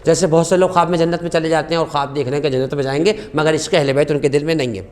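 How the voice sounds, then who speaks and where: A man speaking as a guest scholar on a religious talk show, telling stories with passion, rising sharply on key phrases and reciting Arabic quotations slowly. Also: a little high, steady tone, a little mellow.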